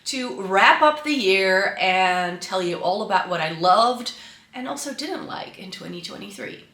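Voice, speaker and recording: Woman vlogging, stuffy and a bit raspy from flu, bright tone, echoey room with the camera set back. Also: medium pitch, expressive, a little slow, faint music behind. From Netherlands. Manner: chatty, with frequent ums and restarts. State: congested and slightly raspy from flu. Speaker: beauty vlogger. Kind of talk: casual chat to camera. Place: home room by a Christmas tree. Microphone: camera mic, set some way off.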